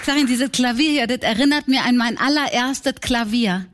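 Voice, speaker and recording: A woman voicing Claire, a brash, carefree woman clown from Berlin with a Berlin accent who speaks loudly, giggles and uses slang. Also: on the high side, moderate pace, voice pushed up, lightly acted. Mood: chatty. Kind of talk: comedy stage sketch.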